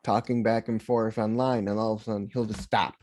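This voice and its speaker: A man's voice: lowish voice, level tone, brisk, a little mellow. A man hosting a podcast interview, asking questions plainly and chatting casually. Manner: direct, reads questions plainly. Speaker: podcast host.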